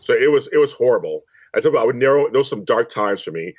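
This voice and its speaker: A man's voice: mid-range voice, lively intonation, fast talker, husky. A man speaking as a podcast guest, telling personal stories casually and emphatically, often repeating phrases for stress. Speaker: podcast guest, audio drama producer. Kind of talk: personal storytelling in a casual interview.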